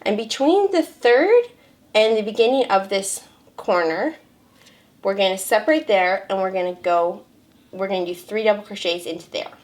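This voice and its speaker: A young woman with a hoarse, raspy voice, talking through a crochet pattern step by step, counting stitches aloud and correcting herself as she goes. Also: medium pitch, animated, moderate pace. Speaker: crochet pattern designer teaching a tutorial. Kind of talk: step-by-step crafting tutorial.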